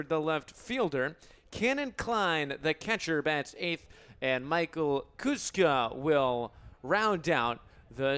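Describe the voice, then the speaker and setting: An American man in his twenties calling live baseball play-by-play for radio in a crisp, descriptive announcer delivery. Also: on the high side, a bit bright. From Illinois, United States. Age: 20s.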